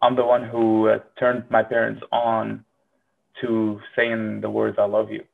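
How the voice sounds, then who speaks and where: A man's voice: fairly low pitch, completely flat delivery, a little slow, gravelly, narrow, tinny audio. A young man in his early twenties from Syria, with a Syrian Arabic accent, rambling casually through a monologue with many fillers. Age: early 20s. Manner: rambling, filler-heavy, self-deprecating. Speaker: medical student vlogger.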